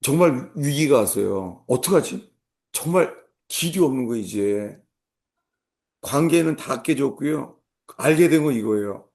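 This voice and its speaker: Gravelly-voiced man preaching with comic stories. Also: medium pitch. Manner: storytelling with comic asides, acting out shouted commands. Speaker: pastor. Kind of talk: sermon.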